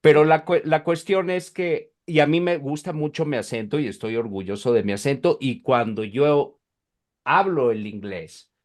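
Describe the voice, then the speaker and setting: A man's voice: a little high, normal speed, darkish tone. A man from Mexico with a Mexican accent, hosting a podcast interview and often repeating words as he talks. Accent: Mexican Spanish. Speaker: podcast host. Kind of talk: casual interview.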